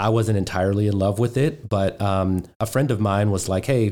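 An unremarkable speaking voice: a man with an American accent talks at a moderate pace in a fairly low pitch with fairly even intonation, on a very clean recording with a silent background. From Pittsburgh, US. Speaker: manufacturing startup founder. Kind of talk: interview.

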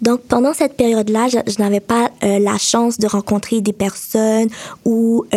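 A woman's fairly high pitch carries fairly even intonation in an unremarkable speaking voice. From Haiti. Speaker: social work graduate. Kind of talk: panel discussion.

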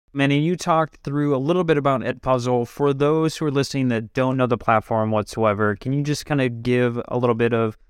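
At a fairly quick pace, a man speaks in a plain, everyday voice at medium pitch with fairly even intonation, on a very clean recording with a silent background. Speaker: podcast host, education leadership. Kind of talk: interview.

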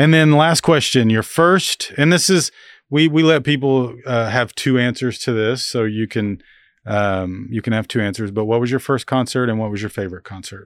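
This is a normal speaking voice: a man at medium pitch with ordinary pitch variation, moving at a moderate pace on a very clean recording with a silent background. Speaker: podcast host. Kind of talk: interview for a business podcast.

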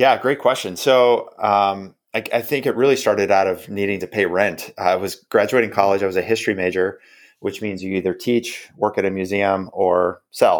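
A man with a normal speaking voice talks at a moderate pace in an American accent, fairly low in pitch. Intonation stays fairly even, and the recording is very clean with a silent background. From New Jersey and Florida. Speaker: sales coach and startup founder. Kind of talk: casual interview.

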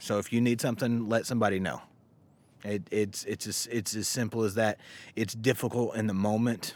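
A man talks at a fairly quick clip in a medium register, with a slight Southern US accent and flat, monotone intonation. The recording is very clean, with total silence behind him. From US South. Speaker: guest sharing sobriety story. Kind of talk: casual chat. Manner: joking, humorous.

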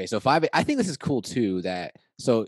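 A man's ordinary speaking voice at a medium pitch and moderate pace, dry and close with no echo, over a quiet background. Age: 30s. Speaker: podcast host, fitness coach. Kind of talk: casual interview.

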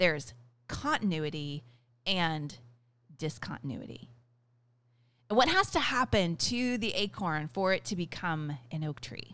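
A bright, sharp voice with an American accent moves at a fairly slow pace with lively intonation and long, frequent pauses. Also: woman, fairly low pitch for a woman. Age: 40s. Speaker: Bible study teacher. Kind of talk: Bible lesson. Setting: home podcast studio.

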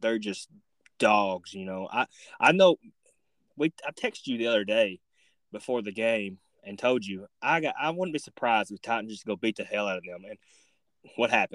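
A man with a Southern US accent at a medium pitch, lively intonation, big swings in loudness and long, frequent pauses, on a very clean recording with a silent background and a dry, close sound with no echo. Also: moderate pace. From North Alabama. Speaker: sports podcast co-host. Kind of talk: casual chat.

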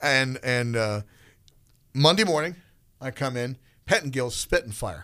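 With an American accent, a man talks at a fairly slow pace in a bright, sharp tone with lively intonation and long, frequent pauses. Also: medium pitch for a man. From US Northeast, Albany area. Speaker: radio DJ. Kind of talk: casual chat. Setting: studio. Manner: mellow, reserved.

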